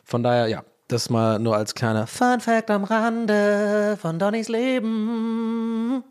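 Rambling, self-mocking Irish podcast host. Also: male voice, lively intonation, takes it slowly, clean tone. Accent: Irish English speaker talking German. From Ireland. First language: English. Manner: rambling, self-mocking, swears, jumps in pitch when joking. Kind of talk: casual solo podcast chat.

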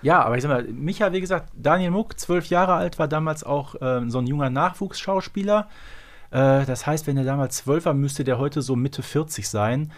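A man's voice: on the high side, normal speed. A man in his forties co-hosting a podcast, sharing trivia conversationally with playful asides. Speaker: podcast co-host and series expert. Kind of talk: casual chat sharing trivia.

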